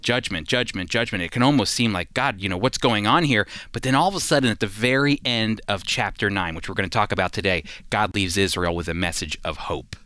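A man's voice: lowish voice, fairly quick, hardly any pauses, pushed and bright, dry recording. A man co-hosting a Christian radio program, earnest and emphatic, teaching with fillers and restarts. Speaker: radio Bible teacher, co-host.

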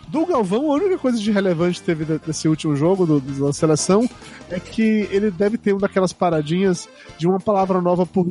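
A hoarse man from Brazil hosting a podcast in a casual, joking chat and laughing at himself. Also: high voice, darkish tone. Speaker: podcast host.

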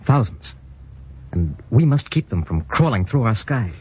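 A man's voice: lowish voice, very animated, a little slow, darkish tone, slightly rough, full character voice. A man playing an earnest young soldier. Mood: urgent. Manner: urgent, earnest pleading. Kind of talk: 1940s radio drama acting. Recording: dull lo-fi 1940s radio.

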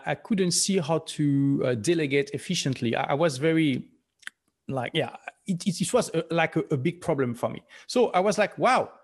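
A French man, an entrepreneur and author, speaking English as a guest in a podcast interview, earnest, often restarting words with "uh" and "you know". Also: on the high side. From France. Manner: earnest, repeats words when starting sentences, fillers "uh", "you know".

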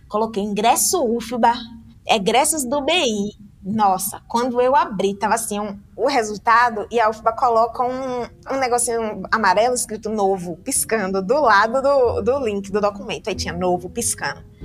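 Casting: young Bahian woman, high and expressive, lively storyteller, faint music underneath. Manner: animated, acts out quoted voices with big pitch jumps. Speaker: interview guest. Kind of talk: emotional personal storytelling.

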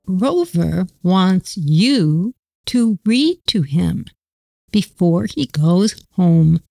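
A man voicing a kindly woman who owns a dog, speaking softly and coaxingly in a children's storybook. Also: sits high, expressive, extremely slow, gravelly, dry recording, studio quality, pitched above the performer's own voice, full character voice. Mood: gentle.

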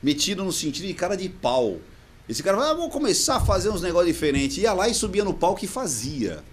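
A man's voice: high-pitched, big pitch swings, fast, husky. A man with a Brazilian Portuguese accent, a podcast guest chatting casually and fondly recalling the past in slangy talk. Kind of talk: casual conversation.

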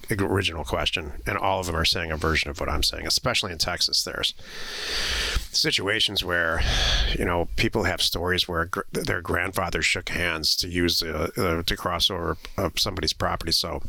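Co-hosting a land investment podcast, an American man from the western United States explains things in a loose, blunt, informal way. He has a low-pitched, pushed and bright voice, recorded without echo.

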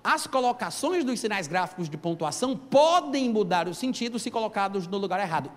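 A high-voiced man preaches in a church hall, his voice trailing off in a long reverb. He teaches scripture in an animated, emphatic way, stopping to call out to the congregation. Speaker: pastor. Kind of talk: sermon.

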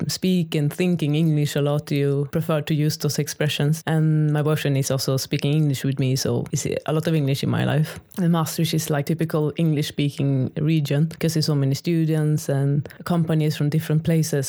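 A woman's voice: low-pitched, dark tone. Young Swedish woman, accented English, talkative and upbeat podcast host being interviewed, casual and loose. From Sweden. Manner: chatty and enthusiastic, laughs often, frequent restarts.

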